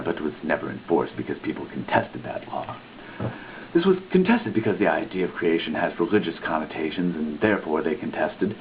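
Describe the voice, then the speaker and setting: Deep-voiced man in a mock-dramatic reading. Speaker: reader. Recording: tinny lo-fi recording with faint noise.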